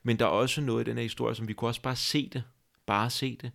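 A man hosting a conversation, speaking in a thoughtful, halting way with many restarts. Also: mid-range voice, little pitch movement, vocal fry, fairly bright tone. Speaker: podcast host. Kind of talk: reflective conversation.

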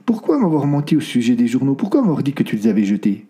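A man's voice: medium pitch, very animated, quick pace, warm tone, close to an everyday voice. A man reading a troubled young doctor. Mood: pressing.

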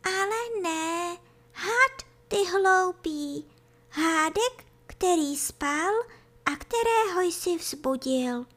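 A woman voicing a small, meek male slow-worm in a storybook reading, speaking faintly and apologetically. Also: extremely high pitch, expressive, a bit bright, voice pushed up. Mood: sleepy.

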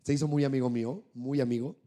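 A man's voice: medium pitch, quick pace. A young man with a Mexican Spanish accent, telling personal stories in a casual podcast chat and acting out other people's lines. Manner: animated storyteller who acts out voices.

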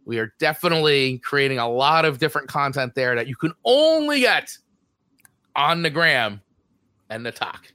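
A man's voice: medium pitch, big pitch swings, moderate pace, pushed and bright, dry recording. A man with a New Jersey accent co-hosting a podcast, chatting casually and rambling through show plugs. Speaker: podcast co-host. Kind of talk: casual chat.

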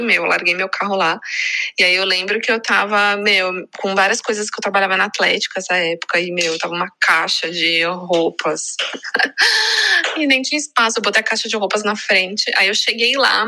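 A young woman telling a story in casual chat, acting out the voices of the people in it and dropping to a hush. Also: medium pitch. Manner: acts out quoted voices, drops to hushed tones. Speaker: podcast co-host telling a story.

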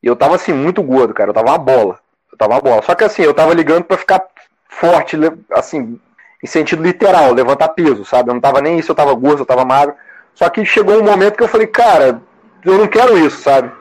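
A man's voice: on the high side, animated, fast. Brazilian man on a clipping, distorted mic. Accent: Brazilian Portuguese. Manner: rambling, peppers talk with "sabe?". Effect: clipping, distorted mic audio. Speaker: guest telling his story. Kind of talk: casual online chat. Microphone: own mic on a remote call, too close.

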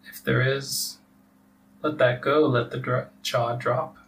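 Slow, gravelly man guiding meditation. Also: medium pitch, fairly even intonation. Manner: slow, soft instructions with long pauses. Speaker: meditation teacher leading a weekly group. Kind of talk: guided body relaxation meditation. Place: live group meditation session. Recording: distant mic with faint background noise.

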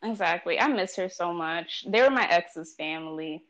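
A young woman in casual chat, blunt and profane, talking in an animated way. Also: fairly low pitch, normal speed. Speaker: interviewee. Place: New York.

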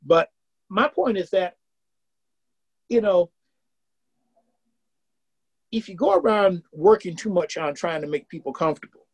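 A man's voice: high voice, muffled recording. A man around sixty, from the American South, speaking earnestly as an academic guest in a casual interview and restarting phrases as he thinks aloud. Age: about 60.

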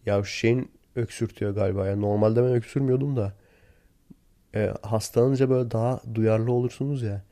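A man with a hoarse, worn-out voice, sick and tired, chatting casually alone into a close recorder. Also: on the low side, steady tone, fairly quick, dark tone, no echo. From Turkey. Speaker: podcast host. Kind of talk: casual solo podcast chat. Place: in bed at home. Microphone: handheld voice recorder, close.

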